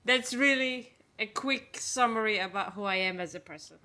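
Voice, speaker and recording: A woman's voice: medium pitch, moderate pace, a loud crowd. A woman from the United Arab Emirates, an indie game designer being interviewed, chatting casually with frequent laughs and hesitant fillers.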